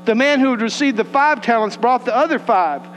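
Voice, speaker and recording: A man's voice: extremely high pitch, animated, a little fast, long reverb tail, slight background noise. A man with a West Texas accent, preaching and praying as a pastor in a folksy, earnest way. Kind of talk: sermon with prayer and scripture reading. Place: church sanctuary.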